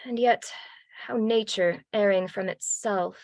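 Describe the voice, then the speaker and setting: A woman's voice: medium pitch, a little slow, a little mellow, no room sound, natural voice, rough recording. A woman reading the part of a proud middle-aged male general gnawed by jealousy, in earnest Shakespearean verse. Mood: troubled. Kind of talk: Shakespeare read-along.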